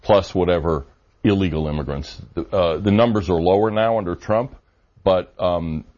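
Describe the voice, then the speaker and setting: A man with a very deep voice answers interview questions steadily, pausing on fillers as he thinks. The audio is a little dull, like broadcast TV sound. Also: darkish tone. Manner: measured, hedging with fillers. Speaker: think tank director, guest.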